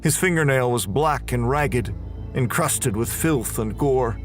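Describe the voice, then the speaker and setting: A man's voice: mid-range voice, expressive, a little slow, soft background music. A man performing scripted, dramatic first-person narration for a horror audio drama.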